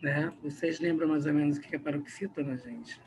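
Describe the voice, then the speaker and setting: A man's voice: fairly high pitch, fairly even intonation, fairly quick, darkish tone, a little hiss or hum. A man teaching a recorded grammar video lesson with a Brazilian Portuguese accent, explaining patiently and often checking in with his students.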